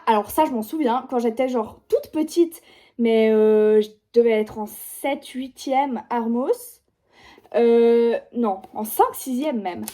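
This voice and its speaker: Her voice is fairly high but dark in tone as this Swiss French-accented young woman, about 18, rambles about her reading pile from beside her bookshelf at home. The book vlogger's casual chat is thick with fillers like "genre" and "du coup."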